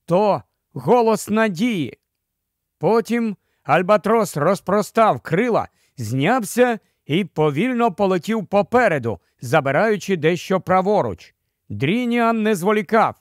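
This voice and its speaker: High-voiced male storybook narrator. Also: no room sound, clean studio sound. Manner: measured, expressive reading. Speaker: audiobook narrator.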